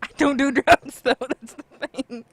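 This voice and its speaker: A woman's voice: sits high, steady tone, measured pace. A giggly woman chatting and reading along casually, interjecting with playful protests. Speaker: story author co-reading and commenting. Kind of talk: casual chat and read-aloud with interjections.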